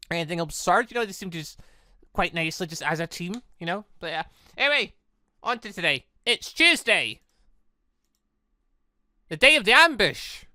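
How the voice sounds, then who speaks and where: Bright-voiced gaming host, rambling casually. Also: mid-range voice, smooth, dry recording, clean studio sound. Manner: rambling, conversational, thinking aloud. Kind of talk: casual gameplay commentary.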